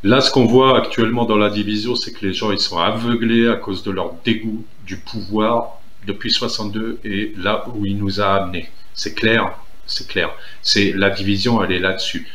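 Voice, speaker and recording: A man's voice: lowish voice, steady tone, normal speed, fairly bright tone, echoey room, a little hiss or hum. A man from Algeria speaking in a casual, earnest monologue, hesitant with many fillers and restarts. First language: Algerian Arabic (Derja). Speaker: political commentator.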